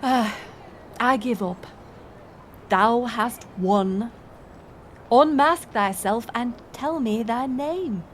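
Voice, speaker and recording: A woman with a fairly high voice performs a romantic audio roleplay aimed at the listener, playing a curious, playful village woman. She speaks in old thee-and-thou English, slow and musing, with a teasing, puzzled mood over slight background noise.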